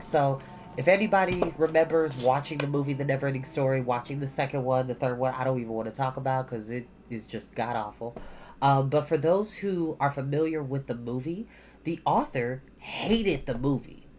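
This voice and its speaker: A storytime host with a medium-pitched voice, chatting casually and informally with rambling asides and reading from a storybook. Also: slight background noise. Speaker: host of a storytime livestream, reading a novel aloud. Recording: dull lo-fi audio with background music. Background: ambient background music.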